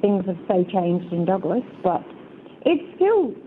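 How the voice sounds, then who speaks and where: A woman's voice: medium pitch, big pitch swings, a little slow, a little hiss or hum. A woman in her seventies calling a radio phone-in, chatting casually and telling family anecdotes over a tinny phone line. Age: 70s. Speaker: phone-in caller.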